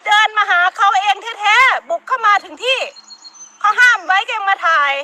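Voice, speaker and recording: Scolding high-voiced Isan woman. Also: expressive, moderate pace, sharp tone, a little hiss or hum. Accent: Northeastern Thai (Isan). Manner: scolding, emphatic, frequent laughter, Isan dialect words. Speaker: live-stream host. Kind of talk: heated casual live-stream rant.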